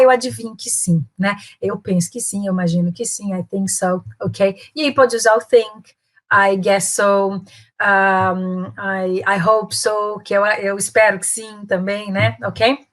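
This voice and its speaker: A woman with a Brazilian accent teaches English in a relaxed online lesson, her voice sitting a little high. She chats easily and keeps checking in with her listeners after each point. She slows right down to model English phrases with care. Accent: Brazilian Portuguese. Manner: chatty, many tag questions like né and ok.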